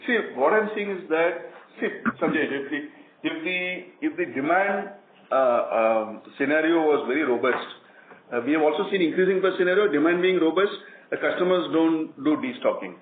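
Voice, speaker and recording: A man answering questions as a company executive on an earnings call, explaining in halting, repetitive phrases. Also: fairly high pitch. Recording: tinny phone line, roomy echo, faint noise.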